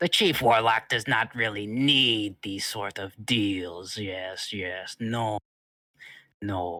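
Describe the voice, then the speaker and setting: A man does a hissing put-on character voice at a fairly low pitch. He goes at a very slow pace in a very clean recording with a silent background. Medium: actual play. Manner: hissing, repeats "yes, yes".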